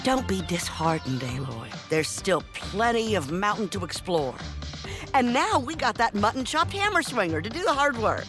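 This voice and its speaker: A woman's voice: medium pitch, very animated, close to an everyday voice. A woman voicing a hardy, dry-humoured old tribal matriarch in a video game. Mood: dry, sardonic. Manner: dry, sardonic, unhurried. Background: music.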